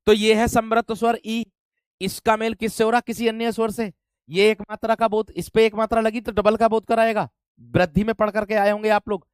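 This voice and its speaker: A man's voice: sits high, flat delivery, moderate pace, smooth, no room sound, clean studio sound. A man teaching an online grammar class, explaining step by step and often calling his students friends and brave ones.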